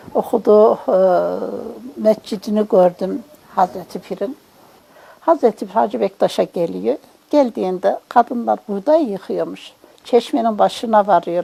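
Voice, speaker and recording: A woman with vocal fry and a medium pitch speaks at a fairly slow pace, her intonation lively, with long, frequent pauses. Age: 80s+. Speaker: elderly storyteller, descendant by marriage of a religious lineage. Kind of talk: oral storytelling in an interview. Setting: at her home.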